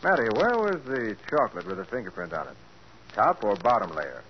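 An actor playing a calm, shrewd private detective in a 1940s radio drama, reasoning steadily. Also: male voice, lowish voice, brisk. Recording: dull old radio broadcast with faint hiss.

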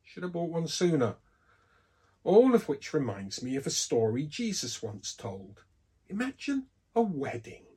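Male preacher, husky, slightly high-pitched, talks through a scripted devotional with lively emphasis. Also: unhurried. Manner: storytelling, lively emphasis on key words. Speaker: preacher giving a Bible talk.

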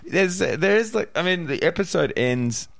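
A man's voice: high-pitched, expressive, normal speed, creaky, fairly bright tone, no echo. A man appearing as a guest comedian on a podcast, wry and joking in casual chat.

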